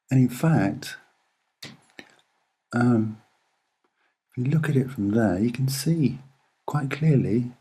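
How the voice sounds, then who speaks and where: Male amateur presenter, soft and unhurried, husky edge, deliberate off-the-cuff explanation in short phrases. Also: medium pitch. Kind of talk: unscripted soft-spoken commentary over images.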